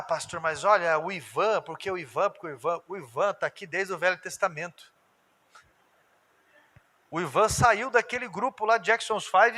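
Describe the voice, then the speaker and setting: A Brazilian man preaching as pastor in a church, animated and joking, acting out everyday conversations to make his points. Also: sits high. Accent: Brazilian Portuguese. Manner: animated, jokey preacher who acts out everyday dialogue. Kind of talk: lively sermon. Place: church hall. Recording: reverberant church hall.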